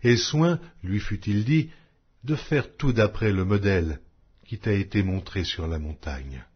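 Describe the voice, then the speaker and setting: A man narrating an audio Bible in a solemn, measured, declamatory reading style. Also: lowish voice, animated, husky. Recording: dull lo-fi audio.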